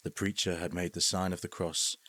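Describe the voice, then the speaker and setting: A man reading a horror story aloud as scripted narration, measured and sometimes sinking to a hush. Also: sits low, little pitch movement, dry recording. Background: faint music.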